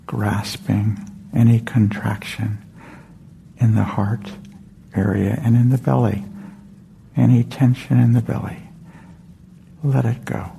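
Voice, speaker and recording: A man leading a guided meditation in a meditation hall, speaking slowly and softly with long pauses. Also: medium pitch, gravelly, a little hiss or hum. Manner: slow, soft, with long pauses. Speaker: meditation teacher.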